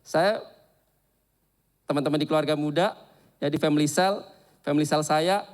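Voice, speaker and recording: A man preaching a sermon and telling a candid personal story in an animated, confessional way. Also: on the high side, moderate pace.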